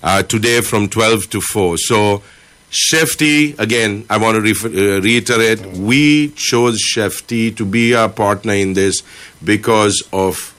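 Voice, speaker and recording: A man from Sri Lanka talks in a radio studio as a company director, his voice sitting low yet with a crisp, forceful brightness. He speaks in a measured way and fills his pauses often with "um" and "uh". A studio microphone picks him up closely. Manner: measured, with many filler pauses. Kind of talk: radio interview guest.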